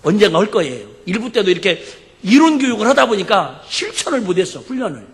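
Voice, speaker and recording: Animated, shouting male preacher in an echoing church. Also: sits high, fast. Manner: animated, joking, call-and-response with the congregation, bursts of shouting. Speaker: pastor. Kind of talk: sermon. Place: church sanctuary. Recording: echoey church hall.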